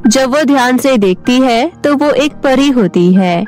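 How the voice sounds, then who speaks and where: A woman narrating an animated children's story in a calm storytelling way. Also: high voice, measured pace, faint music behind.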